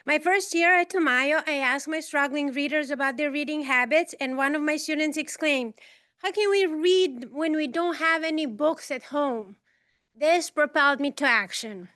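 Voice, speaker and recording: A woman's voice: sits high, moderate pace, fairly bright tone, dry recording, studio quality. A middle-aged woman with a Serbian accent, a teacher giving a prepared speech at a public meeting.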